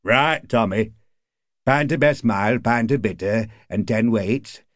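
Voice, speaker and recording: A man's voice: fairly low pitch, takes it slowly, no echo, clean studio sound. A man voicing a businesslike pub barman in an audiobook, matter-of-fact as he deals with customers. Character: businesslike male pub barman taking orders. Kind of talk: audiobook character acting.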